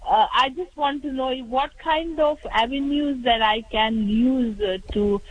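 A woman's voice: high voice, a little slow, slight background noise. Give me a hesitant woman calling in by phone. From India. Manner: hesitant, many fillers and restarts. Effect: phone-line call-in voice. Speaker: caller. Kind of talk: call-in question. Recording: tinny phone line on radio.

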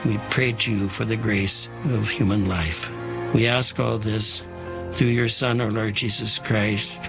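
A man who is a cardinal, reciting a solemn prayer in a measured way. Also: lowish voice. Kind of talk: recorded prayer. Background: music.

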